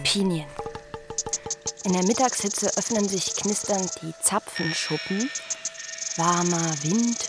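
Curious dreamy young woman in a radio play, slow talker, bit teasing, music behind. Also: fairly low pitch. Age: young adult. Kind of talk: naturalistic radio play acting.

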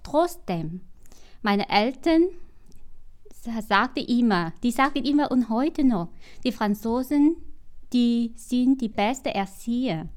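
A Vietnamese-accented woman in her sixties, a non-native German speaker, telling her life story in an interview with halting phrasing and frequent restarts. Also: on the high side, lively intonation, darkish tone.

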